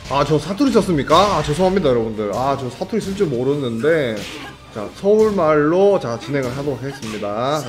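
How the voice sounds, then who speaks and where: Excitable man calling a fighting match. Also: on the high side, soft background music. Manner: excitable, chatty, jokes with viewers, quick reactions. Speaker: esports commentator. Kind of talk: live fighting game commentary.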